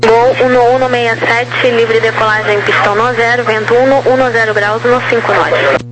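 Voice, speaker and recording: A woman's voice: on the high side, normal speed. Brazilian woman air traffic controller on noisy radio. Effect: aviation radio. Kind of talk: radio phraseology, procedural instructions. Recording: noisy aviation radio with hum.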